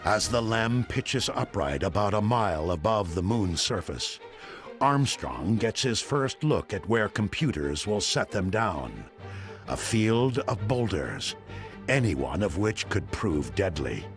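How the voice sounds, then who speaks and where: A man's voice: on the low side, very animated, a little slow. A man reading scripted, dramatic documentary narration. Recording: studio narration over prominent music.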